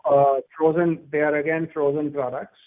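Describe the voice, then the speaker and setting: A man's voice: on the high side, flat delivery, moderate pace. A man, a company executive explaining and answering questions on a conference call, often hesitating and restarting phrases. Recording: muffled narrow-band phone line.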